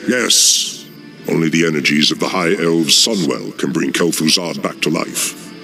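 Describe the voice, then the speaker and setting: An actor playing a scheming male dreadlord demon in a game cutscene, speaking in a slow, measured, menacing way. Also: extremely low pitch, vocal fry, bright, forceful tone, soft background music, exaggerated voice. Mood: sinister. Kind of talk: video game cutscene acting. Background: orchestral score.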